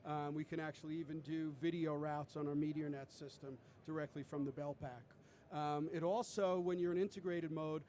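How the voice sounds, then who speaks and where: A man's voice: steady tone, moderate pace, dark tone. A man giving a live product demonstration, explaining things step by step as a presenter. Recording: clear background noise with low rumble.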